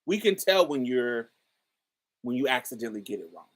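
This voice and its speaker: Woman with a really deep voice, chatty emphatic commentary straight to her viewers. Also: very animated, a little fast. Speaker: host. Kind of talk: casual commentary to camera.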